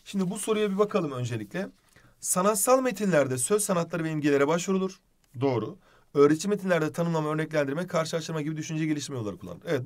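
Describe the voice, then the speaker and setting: A man with a fairly high voice teaches an online literature lesson. He explains patiently, speaks to his students as friends and writes on the board as he goes.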